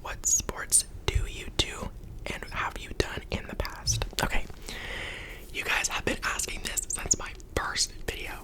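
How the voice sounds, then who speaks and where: A young man of eighteen talks in a soft, breathy whisper for an ASMR video. He rambles in a chatty, unplanned way, filling pauses with "um" and "like". The sound is close and intimate, as if he is speaking from his bedroom. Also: low-quality recording. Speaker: ASMR creator.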